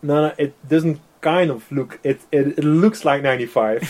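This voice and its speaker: A Dutch-speaking software developer talks in English as a guest in a casual interview, his voice a little high and a little slow. He uses lots of fillers and laughs often.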